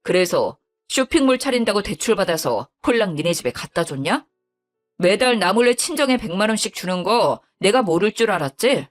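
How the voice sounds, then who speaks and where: A woman's voice: mid-range voice, expressive, moderate pace, lightly acted. A woman voicing an angry young husband who coldly confronts his deceitful wife in an audio drama, with faint music behind. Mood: bitter. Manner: cold, cutting and contemptuous.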